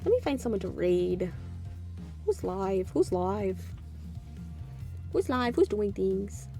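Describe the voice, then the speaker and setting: A woman's voice: mid-range voice, big pitch swings, slow pace, gravelly, dark tone, soft background music. A woman streaming a game, chatting casually as she wraps up while her voice is giving out. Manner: plays all the characters in one voice, sings bits to herself. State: losing her voice. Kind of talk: reading game dialogue aloud, then casual chat.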